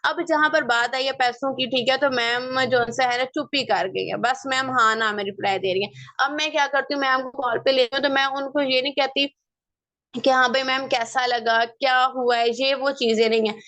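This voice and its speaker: A young woman, running an online sales training over a video call, lively and coaxing, mixing in English phrases. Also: high-pitched, normal speed. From Pakistan. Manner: lively and coaxing, mixes in English phrases, keeps asking "theek hai".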